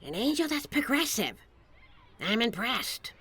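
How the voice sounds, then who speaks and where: A woman's voice: a little high, big pitch swings, unhurried, a bit bright, heavily acted. A woman playing a teasing, impatient female demon who shares a fairy's mind, speaking in a sardonic, coaxing, conversational way for an ASMR audio roleplay. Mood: surprised, wary. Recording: echoey, long reverb on voice.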